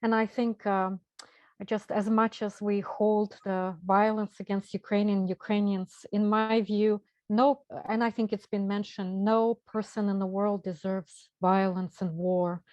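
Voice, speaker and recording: A woman's voice: mid-range voice, flat delivery, measured pace, darkish tone, no room sound. A woman making earnest remarks in a discussion over a lo-fi video call. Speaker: discussion participant. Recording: dull, lo-fi video call audio.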